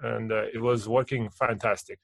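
A man in his forties from Kazakhstan, speaking with a heavy French accent. He talks haltingly and keeps restarting his sentences with fillers. His voice sounds dry and close, with no room around it. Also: lowish voice, flat delivery, gravelly, dry recording. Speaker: podcast guest, business owner. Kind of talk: casual interview chat.

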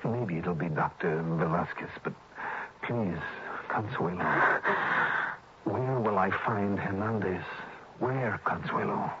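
An actor playing a tough, wry insurance investigator who talks brisk and insistent. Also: male voice, low voice. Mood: pleading. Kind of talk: 1960s radio drama acting. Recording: muffled old radio broadcast with hiss.

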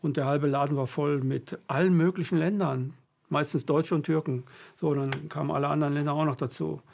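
A man's voice: fairly high pitch, steady tone, gravelly, a little mellow. A middle-aged man from western Germany interviews his guest in casual conversation, thinking aloud as he shares his own stories. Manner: halting, thoughtful storytelling.

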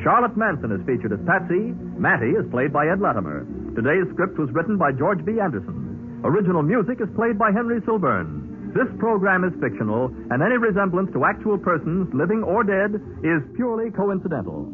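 Male American vintage radio announcer, emphatic, high-pitched, thin old broadcast sound with music behind. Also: huge pitch swings, a little fast. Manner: polished, emphatic delivery. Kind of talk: 1940s scripted radio announcing. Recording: narrow-band 1940s radio with music.

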